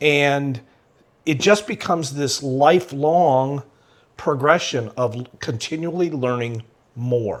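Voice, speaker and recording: A man talks at a very slow pace. His pitch varies in an ordinary way. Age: 60s. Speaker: model aircraft builder. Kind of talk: casual chat.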